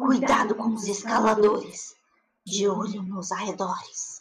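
A female-sounding put-on character voice speaks at a medium pitch. The pace is fairly slow. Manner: growling.

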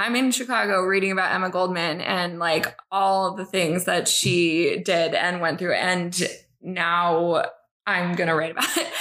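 Speaking at a fairly slow pace with a West Coast accent, the woman has a medium pitch, a bright, sharp tone, fairly even intonation, and very even loudness. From Seattle, US Pacific Northwest. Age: 30s. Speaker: cartoonist. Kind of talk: casual interview.

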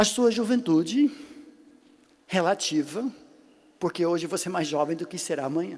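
A man speaks at a moderate pace with a high pitch and lively intonation. He takes long, frequent pauses. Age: 60s. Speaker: pastor. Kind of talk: sermon.

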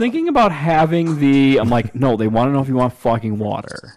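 With a fairly high pitch, a man speaks at a fairly quick pace. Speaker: podcast co-host. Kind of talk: casual chat. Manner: loud.

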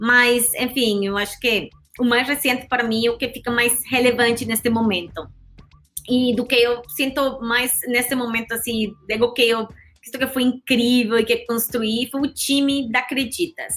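A woman speaks with a Salvadoran accent. Her voice is high-pitched and her intonation stays flat and monotone. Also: moderate pace. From El Salvador. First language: Spanish (speaking Portuguese). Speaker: marketing executive. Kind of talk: podcast interview.

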